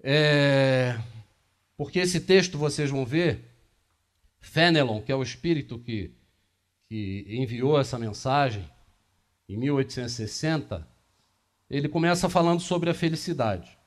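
A man's voice: mid-range voice, measured pace, pauses often. A man in his fifties giving a spiritist lecture to a small audience, talking in a conversational way and putting questions to the listeners, recorded by a camera across a small meeting room. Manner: conversational, asks the audience questions, gestures widely.

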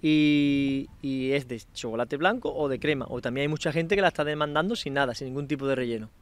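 In an outdoor casual interview recorded on a handheld microphone, a chef and restaurant owner in his thirties plainly explains his work. His mid-range voice is smooth and brisk.

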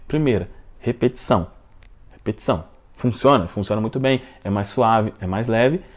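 A Brazilian Portuguese-accented man speaking straight to his viewers in a mid-pitched, everyday voice. He keeps it chatty, tagging his sentences with quick checks for agreement. Now and then he jumps up loud and high to drive home a point. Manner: chatty, ends phrases with tag questions; rises into loud bursts when making a point. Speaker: self-help video host. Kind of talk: casual talk to camera.

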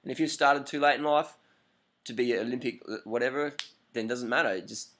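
A man's voice: medium pitch, a little fast, fairly bright tone. Rambling man on a webcam. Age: 30s. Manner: rambling, emphatic, repeats phrases. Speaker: vlogger answering viewer questions. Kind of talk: casual advice vlog. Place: indoor room with curtains, at night. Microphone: laptop webcam up close.

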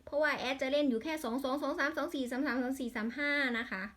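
A woman's voice: sits high, quick pace, fairly bright tone. A woman with an Isan accent in a casual vlog, rattling off lottery number strings and breaking into exasperated grumbles.

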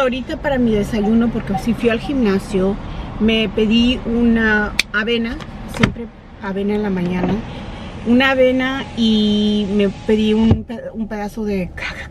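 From behind the wheel, a thirty-something vlogger chats to her audience while doing errands, passing through a drive-through and a parking lot. Her voice sits at medium pitch; she's talkative and switches to English with staff and kids. A camera on the dashboard captures it, with road noise clearly heard.

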